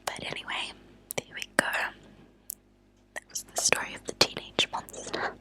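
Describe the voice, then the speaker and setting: A woman whispering in a breathy, unvoiced voice, reading aloud in ASMR style with deliberate phrasing. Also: bright, forceful tone. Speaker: ASMR channel host. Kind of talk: whispered ASMR reading of a true-crime book. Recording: lo-fi whispered home recording.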